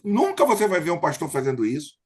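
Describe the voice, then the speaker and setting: A man leads a Bible study group in a husky, slightly rough voice. He speaks with emphatic indignation, calls on people and asks for questions. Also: on the high side, very animated, fast talker. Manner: emphatic, indignant about hypocrisy.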